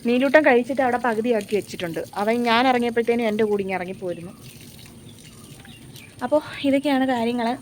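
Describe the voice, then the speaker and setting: Young woman vlogger, light high voice, gentle confiding chatter, outdoor garden. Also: quick pace, a little hiss or hum. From Kerala, India. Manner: soft-spoken, musing and confiding. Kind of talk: casual vlog chat to camera.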